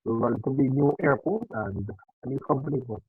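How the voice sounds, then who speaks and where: A man speaks over a poor video call connection, his voice husky and narrowed to a phone-like band. He runs through a long introduction, pausing on fillers as he goes. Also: mid-range voice, no echo, soft background music. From Caribbean. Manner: long, detailed self-introduction with hesitant fillers. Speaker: audience member asking a question. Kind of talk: casual question on a video call. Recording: muffled tinny call audio, very dry.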